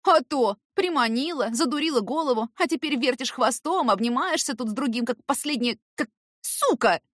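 A bitter, jealous young woman, put on by a woman reader, hurls accusations in a high, shrill voice that keeps breaking toward tears. She sounds dry and close, as in an audiobook. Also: animated, moderate pace, a bit bright, no room sound. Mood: hateful.

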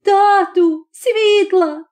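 A woman voicing a desperate young peasant mother, pleading in a high, tearful, strained voice in a storybook reading. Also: steady tone, very slow, mellow, heavily acted. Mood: frantic.

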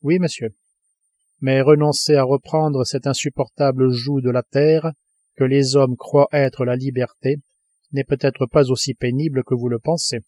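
A man's voice: medium pitch, fairly even intonation, warm tone, dry recording, natural voice. A man reading a cold, stern submarine commander. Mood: grave. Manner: grave, measured. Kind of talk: audiobook reading.

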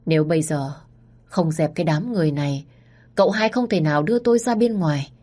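A woman narrating a story in the first person, expressive and acting out the dialogue. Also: sits low, fast talker.

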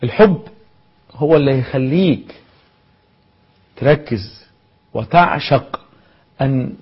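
A man with an Egyptian Arabic accent giving a spoken lesson as a Quran memorization teacher, lecturing in a lively way with rhetorical questions. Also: on the high side, husky. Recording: dull lo-fi recording.

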